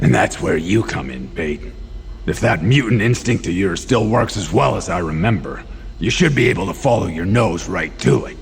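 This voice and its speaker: Putting on a character voice, a man speaks at a moderate pace with a very deep, low pitch over clear background noise. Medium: audio drama. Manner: gruff.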